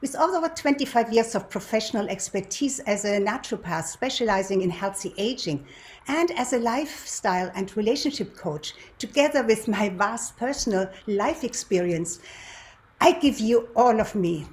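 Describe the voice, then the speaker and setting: A woman in her seventies from Germany, a native German speaker with a German accent, hosts a show, introducing herself and telling her story in a deliberate manner with rhetorical questions. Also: medium pitch, expressive, a little mellow. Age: 70s. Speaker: show host, lifestyle and relationship coach. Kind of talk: presenter's introduction and personal storytelling to viewers.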